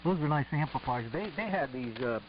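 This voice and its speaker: Halting man over static-filled shortwave. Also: mid-range voice. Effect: AM shortwave radio transmission. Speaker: amateur radio operator. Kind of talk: casual technical chat over ham radio. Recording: noisy, dull AM shortwave radio. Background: steady radio noise.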